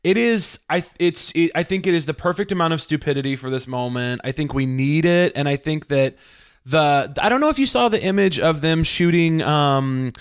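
Male comic guest, fairly high voice, chatty and emphatic casual banter over a phone call. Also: lively intonation, normal speed, clear, resonant tone. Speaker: comedian and podcast guest. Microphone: video call on a phone.

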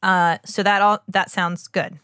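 A woman's voice: mid-range voice, flat delivery, unhurried, fairly bright tone, smooth, dry recording, clean studio sound. A woman hosting a podcast as a doctor, explaining in an earnest, informal way with emphatic asides. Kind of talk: conversational explainer on medicine.

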